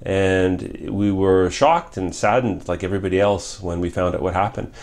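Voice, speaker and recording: Earnest low-voiced man, candidate interview. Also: fairly even intonation, moderate pace, darkish tone. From Canada. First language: Polish. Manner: earnest, repetitive, many restarts and fillers. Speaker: political candidate, former member of Parliament. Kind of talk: interview answers.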